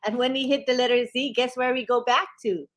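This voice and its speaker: A woman's voice: a little high, fairly even intonation, fairly quick. An older woman co-hosting a casual live-stream chat, greeting viewers in a friendly way and laughing easily.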